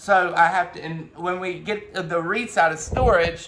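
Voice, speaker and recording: Speaking at a fairly slow pace, a man talks in a high voice with fairly even intonation. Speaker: channel host, spiritual livestreamer. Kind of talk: casual livestream chat. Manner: rambling, hesitant with repetitions.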